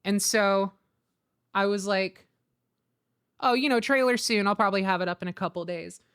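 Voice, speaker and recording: A woman's voice: mid-range voice, normal speed, a bit bright, clean tone. A woman streamer chatting casually and informally to viewers, often thinking aloud, on a close mic. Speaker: streamer and host. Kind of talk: casual livestream chat.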